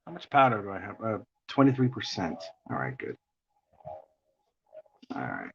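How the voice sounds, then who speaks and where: A man with a gravelly voice and a New York accent, chatting in a rambling way while he draws on a livestream. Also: on the low side, huge pitch swings, moderate pace, a little hiss or hum. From United States. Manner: chatty, rambling, chuckling often. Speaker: artist livestreaming a drawing session. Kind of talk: casual chat while drawing. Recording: dull lo-fi stream audio.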